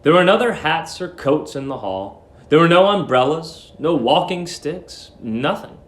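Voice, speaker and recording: A man giving a dramatic narration of a story, theatrical and deliberate in his emphasis. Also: on the high side, expressive, echoey room.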